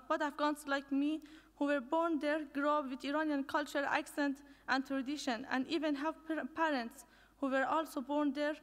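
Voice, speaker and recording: A young woman from Iran, an English speaker, gives an earnest prepared conference speech with a few restarts. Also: sits high. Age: young adult. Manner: measured, earnest, reads from notes with restarts. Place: conference hall. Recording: long reverb of a lecture hall.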